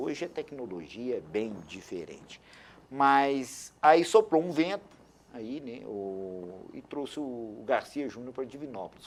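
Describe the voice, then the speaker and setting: With a medium pitch, a man talks at a fairly slow pace, his voice making very wide pitch swings and big swings in loudness. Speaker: reporter, interviewer. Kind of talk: interview question.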